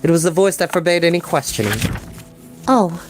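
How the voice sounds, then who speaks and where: Young man, expressive storyteller, audiobook narration, light voice, music behind. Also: on the high side, fast. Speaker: storyteller reading a novel aloud. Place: small room at a desk. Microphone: desk microphone.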